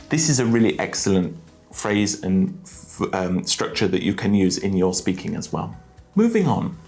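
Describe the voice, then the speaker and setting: A man teaching a spoken English lesson with enthusiasm, praising each useful phrase and speaking clearly and deliberately. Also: lowish voice, darkish tone.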